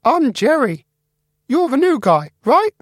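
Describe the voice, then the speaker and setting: A man's voice: very high voice, very animated, slow, no echo, studio quality, voice pushed up, full character voice. A man voicing a small, upbeat computer mouse who chats in a chirpy, optimistic way.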